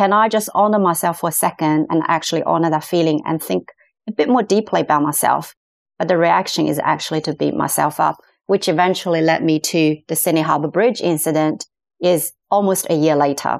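A woman's fairly low voice with vocal fry, fairly quick, with ordinary pitch variation and very even loudness, in a very clean recording with a silent background. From China. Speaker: former executive, author. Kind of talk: interview.

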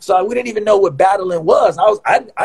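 The delivery is fairly quick. It comes from a man. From San Francisco Bay Area, California. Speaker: rapper. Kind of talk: casual chat. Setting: video call.

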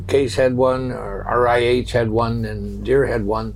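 A man's voice over noticeable background noise. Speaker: media company founder interviewer. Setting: in a car.

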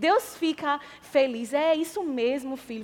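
A woman's high voice, with ordinary pitch variation, comes through over noticeable background noise. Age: 30s. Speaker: preacher. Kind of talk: sermon.

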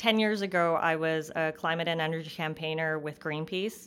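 A woman speaks at a moderate pace with a Canadian accent. Her pitch is fairly low, and she has an unremarkable speaking voice. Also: very clean recording, silent background. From Canada (Alberta). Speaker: corporate sustainability director. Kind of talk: interview.

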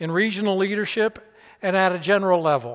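Talking at a moderate pace, a man speaks in an American accent. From US Midwest (Iowa). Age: 60s. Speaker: interim minister. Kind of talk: sermon. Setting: church.

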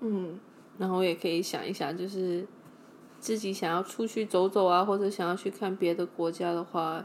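A woman talks with a Hong Kong accent. Her intonation is fairly even. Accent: Hong Kong accent in Mandarin. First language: Cantonese (speaking Chinese). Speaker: podcast co-host. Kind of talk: casual chat.

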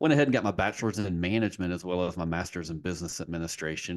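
A man speaks in a Southern US accent, his voice very deep and low. The background is quiet. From US South Carolina. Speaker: legal nurse consultant and coach. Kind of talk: casual interview chat.

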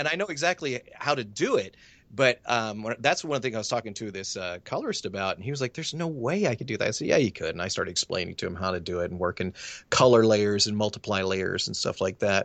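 A man of medium pitch with an American accent talks at a very fast pace with lively intonation. The background is quiet. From Texas. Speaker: voice actor and comic colourist. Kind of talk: casual interview.

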